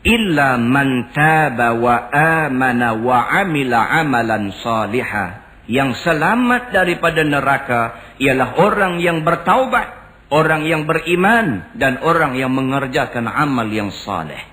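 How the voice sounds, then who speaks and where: A male preacher, chanting Arabic phrases slowly and emphatically before moving into plain storytelling. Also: medium pitch, animated, bright, forceful tone, rough recording. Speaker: religious preacher. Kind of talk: sermon.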